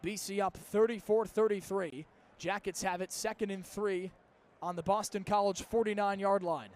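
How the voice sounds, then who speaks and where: High-pitched young American man calling football. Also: normal speed, a little hiss or hum. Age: early 20s. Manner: vivid, energetic narration of live action. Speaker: play-by-play announcer. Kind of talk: live American football radio commentary.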